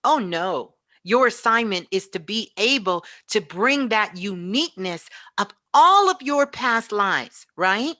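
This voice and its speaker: Bright-voiced woman giving emphatic spiritual teaching. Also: medium pitch, animated, slow pace, hardly any pauses. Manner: emphatic, preaching, with repeated phrases. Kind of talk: motivational spiritual talk.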